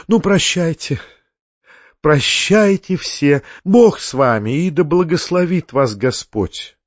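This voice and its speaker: A man's voice: fairly high pitch, dry recording, highs cut off. A man voicing a pompous, sanctimonious older male tyrant who preaches and shrieks. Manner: preachy, shrieking when enraged.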